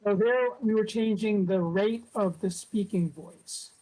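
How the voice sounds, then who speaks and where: A woman casually presenting a software demo on a video call at a club meetup, talking in a relaxed way with lots of fillers. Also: mid-range voice, unhurried, low-quality recording.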